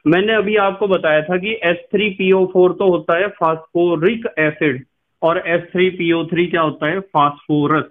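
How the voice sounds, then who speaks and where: A male chemistry teacher giving a lecture who keeps asking his students questions and answering them himself. He spells out terms slowly and patiently. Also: high-pitched, steady tone, narrow, tinny audio. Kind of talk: classroom lecture.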